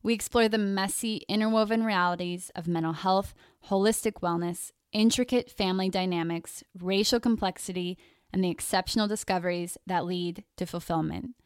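A woman's voice: mid-range voice, moderate pace, clear, resonant tone, no room sound, clean studio sound. A woman hosting an interview podcast, reading a polished scripted introduction and then chatting casually with her guest. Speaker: podcast host.

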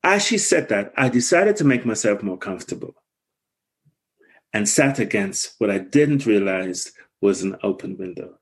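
Husky man telling his story. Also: on the low side. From Guyana. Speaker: guest.

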